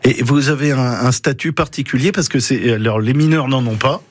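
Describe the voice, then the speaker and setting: A man hosts a radio talk segment and keeps the conversation moving. He asks questions and adds quick acknowledgements. The sound is dry and close. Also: medium pitch, no room sound. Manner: conversational, frequent backchannels. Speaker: radio host. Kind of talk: radio interview.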